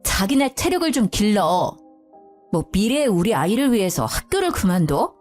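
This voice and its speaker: A woman's voice: mid-range voice, very animated, normal speed, darkish tone, soft background music. A woman in her thirties telling a dramatized story of a marital fight, indignant and emphatic. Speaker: storyteller, schoolteacher wife.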